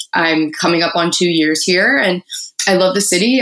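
A woman talks in an ordinary speaking voice with an American accent. Her pitch is medium and varies in an ordinary way. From US Northeast, Philadelphia area. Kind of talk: interview.

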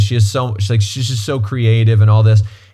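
Speaking at a very fast pace, a man with an American accent has a medium pitch, a dark, mellow tone and a somewhat breathy sound. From US South. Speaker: podcast host. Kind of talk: casual interview chat. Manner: animated.

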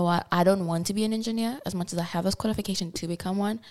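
A woman with a medium pitch talks at a very fast pace in an animated tone. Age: 20s. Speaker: student entrepreneur. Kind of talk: casual chat. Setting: her apartment.

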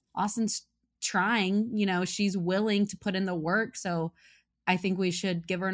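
Recorded very cleanly against a silent background, a woman speaks at a moderate pace. Her medium pitch stays monotone and flat. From Knoxville, Tennessee. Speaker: sports reporter and host. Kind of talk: interview.

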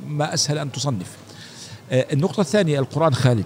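Noticeable background noise sits behind the recording. A man speaks, his pitch rising and falling in an ordinary way. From Jordan. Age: 40s. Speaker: poet and novelist. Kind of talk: interview.

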